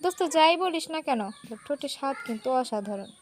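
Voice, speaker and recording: A teasing young college man, as a woman reads him in her own high voice. He talks cheekily and plays jokes on his best friend. It sounds like a storybook read aloud. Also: expressive, fast, slight background noise. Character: playful teasing young male college student.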